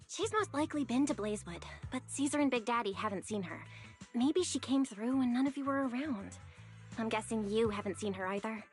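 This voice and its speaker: An actress voicing a brisk, teasing woman in video game voice acting. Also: fairly high pitch, lively intonation, soft background music, natural voice.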